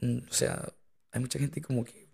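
A man with a US Latino Spanish accent in casual, anecdotal conversation. His voice is very creaky and husky, with a dark, mellow tone. He slips between languages and often tags phrases with a little questioning check. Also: medium pitch, little pitch movement, normal speed. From Latin American immigrant living in the United States. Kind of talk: casual chat, telling personal anecdotes.

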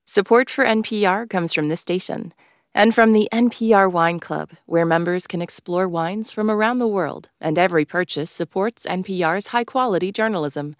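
Female announcer, lower voice, dry booth sound, scripted sponsor read. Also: normal speed, no room sound.

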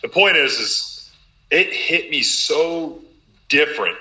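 A young man with a bright, forceful voice recounts his story as an interview guest. He talks earnestly and with feeling, slipping into quoted self-talk. The room adds a noticeable echo. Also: a little high, lively intonation, slow. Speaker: professional basketball player, guest. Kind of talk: candid storytelling interview answer. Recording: roomy echo.

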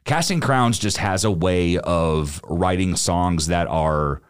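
Deep-voiced young man rambling on a podcast. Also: slow, clean tone, dry recording, studio quality. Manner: rambling, many fillers and restarts. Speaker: podcast co-host. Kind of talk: casual podcast chat.

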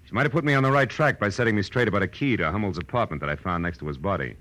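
An actor playing a tough, wry private detective, terse and sardonic, in a 1940s radio noir drama. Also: male voice, fairly low pitch, very fast, fairly bright tone, natural voice, rough recording. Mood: wry, probing. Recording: vintage radio recording with hiss.

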